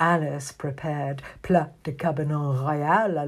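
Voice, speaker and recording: Speaking at a very slow pace, a woman with a very deep, low pitch sounds somewhat breathy on a very clean recording with a silent background. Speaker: poet. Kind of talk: poetry reading.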